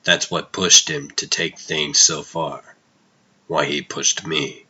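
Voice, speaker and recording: Man playing a very deep, brooding vigilante hero. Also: level tone, pushed and bright, highs cut off, full character voice. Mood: grim. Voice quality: low, tense. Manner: grave, deliberate. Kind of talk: dramatic comic dub acting.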